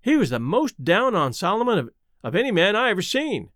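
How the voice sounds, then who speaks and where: A man as lively folksy Southern boy narrator. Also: sits high, fairly quick, no echo, clean studio sound. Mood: matter-of-fact. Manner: plain-spoken, colloquial storytelling. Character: Huck, a folksy, matter-of-fact adolescent Southern boy narrator. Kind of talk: first-person audiobook narration.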